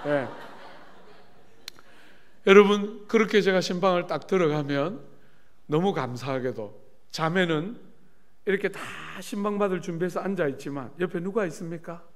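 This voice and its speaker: A middle-aged man preaching at a church revival service, telling lively stories and often turning to the congregation with questions. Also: sits high, normal speed. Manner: animated storytelling with asides to the congregation. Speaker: pastor. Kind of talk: revival sermon. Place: church sanctuary.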